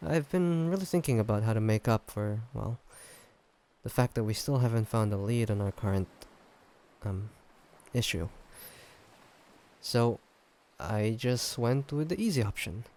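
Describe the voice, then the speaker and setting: A man playing an affectionate, teasing boyfriend in a roleplay audio drama, talking casually and haltingly with a slightly gravelly voice. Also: on the low side, animated. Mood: tender, hesitant. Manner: casual, halting, gently teasing, chuckling delivery. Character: affectionate, teasing human boyfriend on a fancy date. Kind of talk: roleplay audio drama, intimate one-sided conversation.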